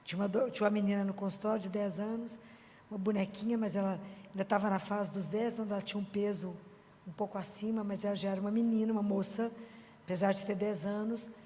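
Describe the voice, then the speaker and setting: A woman with a Minas Gerais accent giving a lively Catholic preaching talk, chatty and folksy, often asking the audience questions. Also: medium pitch, slight background noise. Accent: Minas Gerais Brazilian Portuguese. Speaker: Catholic lay speaker. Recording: long hall reverb.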